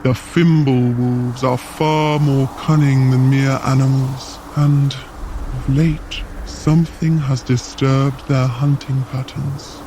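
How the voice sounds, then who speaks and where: An actor playing a proud, solemn frost giant guide in an audio drama, speaking formally and earnestly. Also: male voice, mid-range voice, flat delivery, dark tone, slight background noise, lightly acted, poor audio. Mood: grave. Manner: formal, measured, earnest speech. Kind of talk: scripted audio drama acting.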